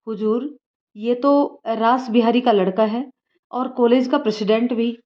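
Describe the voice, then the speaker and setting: A woman's voice: fairly high pitch, fairly even intonation, unhurried, close to an everyday voice. A woman voicing a cautious, respectful male police constable, on slightly dull audio.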